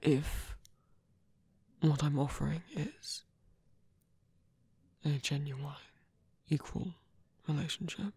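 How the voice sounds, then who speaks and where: A man playing a guarded, lovestruck villain in an ASMR roleplay, halting and tender, with a breathy voice that often drops to a whisper. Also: on the high side, darkish tone, dry recording, exaggerated voice. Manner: halting, hesitant delivery with pauses. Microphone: close dry microphone.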